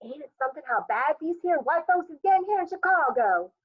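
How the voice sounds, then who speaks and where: A woman voicing a squeaky, effusive neighbor woman who gossips in a folksy dialect and plays up every bit of news with melodrama. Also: lively intonation, brisk, no room sound. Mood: gushing. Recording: dry, tinny phone-like sound.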